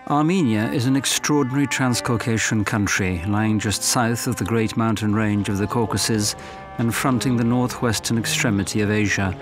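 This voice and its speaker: A man giving measured, formal scripted narration for a documentary. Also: fairly low pitch, steady tone. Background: music.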